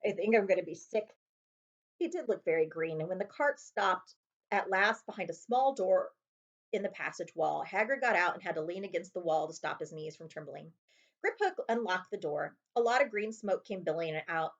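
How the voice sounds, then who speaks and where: A woman's voice: lowish voice, expressive, moderate pace, muffled recording. A woman librarian narrating a children's chapter book as a read-aloud.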